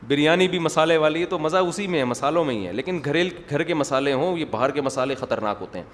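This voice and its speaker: A man's voice: fairly high pitch, animated. A man preaching a sermon, talking in a chatty, joking storytelling way. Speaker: Islamic preacher. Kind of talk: sermon with humorous digressions. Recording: echoey hall with faint background noise.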